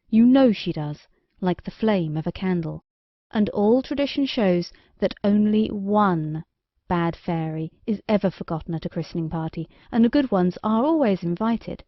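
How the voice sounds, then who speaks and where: A woman voicing a plain-spoken, firm king who lectures and reasons, a little lower than her own voice, in a storybook reading. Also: dry recording. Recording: dry, slightly dull recording.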